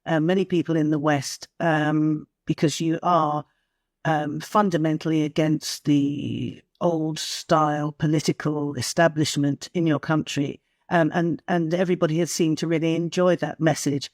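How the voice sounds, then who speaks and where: A woman hosting a news interview, asking probing questions with soft hesitations. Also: sits low, fairly even intonation, moderate pace, no room sound, studio quality. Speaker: interviewer, host.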